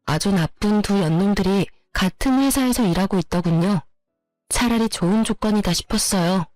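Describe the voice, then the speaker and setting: A woman telling her own story in a steady, indignant narration, middle in pitch. Her voice is dry and close to the mic. Faint music plays underneath. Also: no room sound. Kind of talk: first-person story narration.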